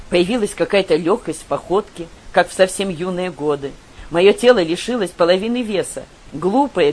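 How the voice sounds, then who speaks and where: A woman reading a novel aloud as a measured, expressive storyteller, narrating in first person. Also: on the low side, husky. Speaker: audiobook reader. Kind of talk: literary audiobook narration.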